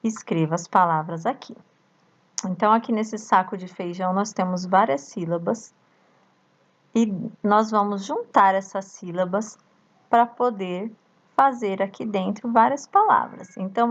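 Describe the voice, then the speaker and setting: A woman teacher with a Brazilian accent, slowly reading a workbook lesson aloud to young children and chanting the syllables. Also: medium pitch, dull audio. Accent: Brazilian Portuguese. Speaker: primary school teacher.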